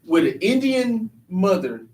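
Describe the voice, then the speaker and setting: A man's voice: sits high, big pitch swings, measured pace, a little mellow. A man hosting a church panel discussion, talking earnestly and emphatically, often restarting his sentences. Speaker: panel host. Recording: echoey room, mic at a distance.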